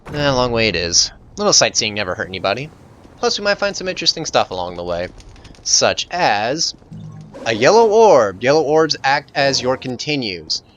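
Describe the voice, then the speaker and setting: Bright-voiced man doing game commentary. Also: mid-range voice, sing-song, normal speed, faint music behind. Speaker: video game let's play host. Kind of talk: casual gameplay commentary.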